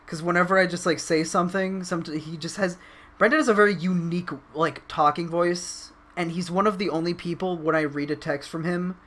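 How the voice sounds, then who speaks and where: A man hosting a podcast in casual chat, excitable, swearing casually and often breaking into laughter. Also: high-pitched, a little fast. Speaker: podcast host.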